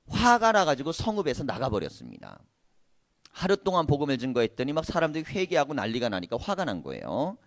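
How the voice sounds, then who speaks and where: A man's voice: medium pitch, no echo, studio quality. A male pastor preaching a sermon in a conversational way, asking his listeners many questions and laughing now and then. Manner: occasional laughter. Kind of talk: sermon at a prayer meeting.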